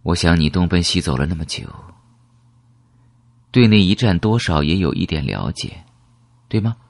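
A man voicing a calm, secretive elderly woman who reminisces in a measured, wistful way in an audiobook. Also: sits low, creaky, dry recording, heavily acted. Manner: slow, measured, reminiscing with rhetorical questions.

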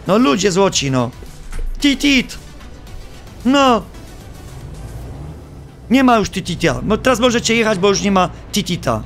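A man streaming live, giving gameplay commentary in an animated, joking and playfully exasperated way. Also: high voice, normal speed, gravelly, long pauses, faint music behind.

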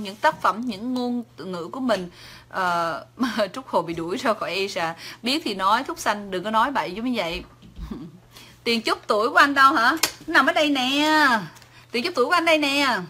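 A woman's voice: medium pitch, fairly bright tone. A woman with a Southern Vietnamese accent, chatting casually on a livestream and answering viewers' comments, talkative and teasing, laughing often. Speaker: livestream host.

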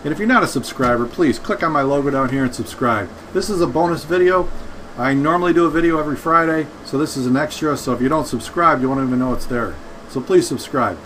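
A man's voice: on the high side, quick pace, fairly bright tone, a little hiss or hum, poor audio. A man in his fifties giving an informal, plain-spoken how-to explanation to camera as a video host. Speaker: YouTube host showing workshop tips. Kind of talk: casual explanatory tutorial to camera. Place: indoor home workshop.

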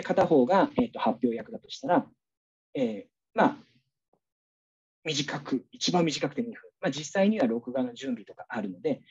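A man's voice: a little high, darkish tone, husky, highs cut off. A man teacher giving a casual, chatty online workshop, walking the audience through a demo with many fillers.

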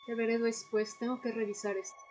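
Woman playing secretive woman, slightly high pitch, cryptic and terse, radio play, faint music. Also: level tone, a little fast, a little mellow, natural voice. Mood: grave, guarded. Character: guarded, mysterious woman who knows history's secrets. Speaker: supporting actor. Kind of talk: audio drama dialogue. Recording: music bed under the voice.

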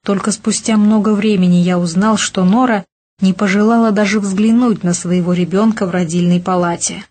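A woman reading a novel aloud as an audiobook narrator, steady and measured. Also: medium pitch. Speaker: audiobook reader. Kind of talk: scripted narration.

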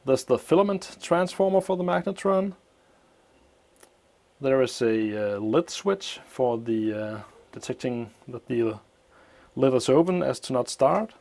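A man explaining a teardown of an old appliance at a workshop bench, thinking aloud with many pauses, his voice slightly muffled by a mask. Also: mid-range voice, animated, vocal fry, a little mellow. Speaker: electronics teardown host. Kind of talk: hands-on technical walkthrough.

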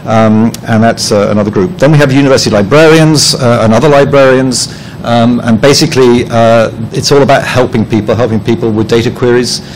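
A man giving a conference presentation in a meeting room, his pitch sitting in an ordinary middle range. He talks haltingly, full of ums and false starts, and lightens it with dry, self-mocking asides. A faint hiss runs under his voice. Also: fairly even intonation, poor audio. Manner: hesitant, with many ums and restarts; dry, self-deprecating humor. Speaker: conference presenter, head of publishing.

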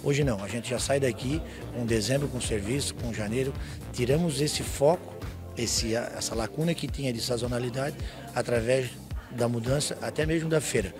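A man's voice: medium pitch, normal speed. A man in his fifties, a businessman, speaking earnestly in an interview at a trade show stand. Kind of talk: casual interview. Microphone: handheld mic. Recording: clear music under speech.

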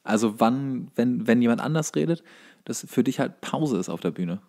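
A man's voice: mid-range voice, expressive, normal speed, vocal fry, a little mellow. A man co-hosting a podcast in casual chat, telling stories in an informal, loosely rambling way. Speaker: podcast co-host.

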